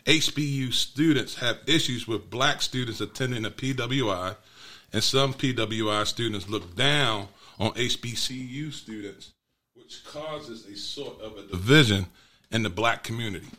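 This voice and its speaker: A man with an African American accent and a bright, forceful voice at a middling pitch. He moderates a casual discussion, speaking colloquially and circling back over his phrases. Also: measured pace. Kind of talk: casual chat.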